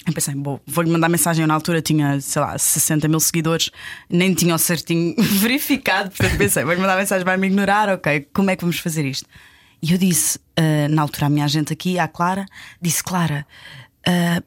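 A young Portuguese woman tells a story in a relaxed studio chat, in a European Portuguese accent. Her voice sits a little low, and she slips into the voices of the people she quotes. The sound is dry and close to the mic. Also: fairly quick, no echo. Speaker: actress telling a story as a guest. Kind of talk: casual chat.

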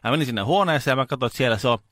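A man co-hosting a casual radio chat, telling stories in an animated way in a studio. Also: mid-range voice, no echo. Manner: animated storyteller, shouts when acting out a scene. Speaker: radio show co-host.

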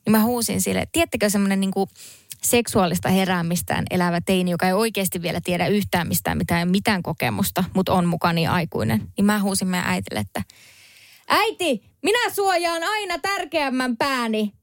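A woman's voice: fairly low pitch, dry recording. Woman on a panel telling a funny story about herself, dry studio sound. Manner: animated, self-mocking anecdote. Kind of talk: casual storytelling.

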